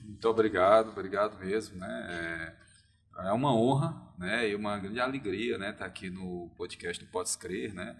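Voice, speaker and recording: A man's voice: on the low side, moderate pace, vocal fry, husky. A man, answering as a guest professor in a podcast interview, hesitant and tagging his sentences with questions. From Piauí, Brazil. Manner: hesitant, frequent tag questions.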